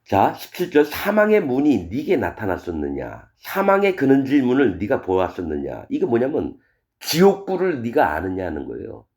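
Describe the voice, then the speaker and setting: Male pastor, middle pitch, very lively expository sermon style with casual paraphrase. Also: moderate pace. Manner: paraphrases verses in casual talking voice, asks rhetorical questions; animated, wide swings in pitch and loudness. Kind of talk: expository sermon reading scripture.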